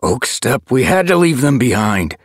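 A man's voice: mid-range voice, sing-song, normal speed, breathy edge, dry recording, clean studio sound, pitched above the performer's own voice. A man voicing a bitter black tomcat warrior in a storybook reading, speaking in a contemptuous, spitting way.

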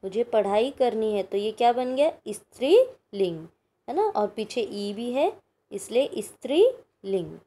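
A woman's voice: a little high, big pitch swings, unhurried, mellow. A woman teacher giving a recorded grammar lesson to young pupils, patient and explaining step by step with frequent checking questions. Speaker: school teacher.

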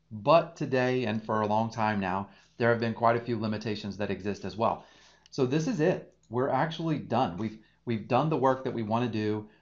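A man in his thirties teaching a screen-share software tutorial, walking through each click as he goes. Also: on the low side, muffled recording. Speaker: data engineering instructor.

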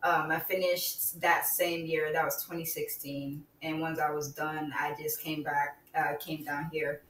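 A young woman in her twenties, from Nigeria, talking as a guest in an interview in a reflective, relaxed way. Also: low-pitched, unhurried. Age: 20s. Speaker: guest, digital designer. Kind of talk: interview conversation. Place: room at home. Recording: roomy, distant mic with faint noise.

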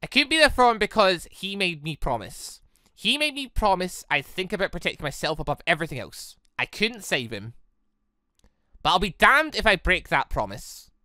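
A woman's voice: fairly low pitch, big pitch swings, normal speed, bright, forceful tone, no room sound, clean studio sound. A woman voicing a wounded, self-reproaching but defiant young maiden in a visual novel, brooding and dramatic.

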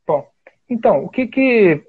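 High husky Brazilian man teaching. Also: animated, a little slow. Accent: Brazilian Portuguese. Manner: explanatory, points at the screen with frequent "né?" and "ó". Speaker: study group teacher. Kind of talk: online lesson explaining Chinese characters. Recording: tinny phone-like online call audio.

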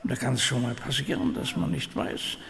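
A courteous but menacing gang boss in a horror radio play. His gravelly, sardonic voice rings in long reverb amid loud noise. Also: medium pitch, little pitch movement, fairly quick. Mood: coolly menacing. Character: polite, coolly menacing male gang boss. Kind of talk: horror audio drama acting.

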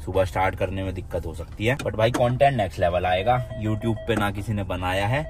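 A man's voice: on the low side, brisk. A young man from India vlogging casually to a handheld camera, chatty and upbeat, talking to viewers outdoors on a city street and from his car. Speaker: travel vlogger. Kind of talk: casual vlog chat to camera. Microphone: handheld camera at arm's length.

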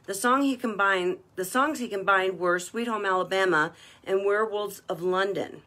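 A woman hosts a live-stream jewelry sale, talking casually and gushing over the colors and styles of every piece. Her voice sits at an ordinary middle pitch. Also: normal speed, sharp tone. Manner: chatty and gushing, praising each piece. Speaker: jewelry seller hosting a live online party. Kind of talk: live-stream sales chat.

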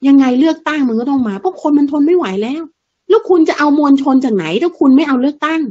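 A woman's voice: high-pitched, animated, fast talker, mellow. A woman giving a fiery, blunt political monologue, crude and mocking, full of rhetorical questions. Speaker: political commentator. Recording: dull lo-fi sound.

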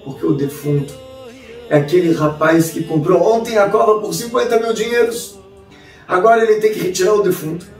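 A man's voice: high-pitched, a little mellow. A man with a Brazilian Portuguese accent, a rabbi telling a story dramatically with rhetorical questions. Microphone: distant mic. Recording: roomy, distant mic, faint music.

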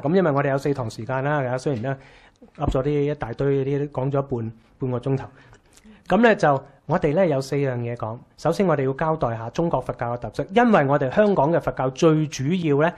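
A man in his thirties with a Hong Kong Cantonese accent lectures a small room in a chatty, wry way. His voice sits a little high for a man, and he keeps asking the room rhetorical questions. It sounds like a far camera in a small lecture room. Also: darkish tone. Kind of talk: casual lecture.

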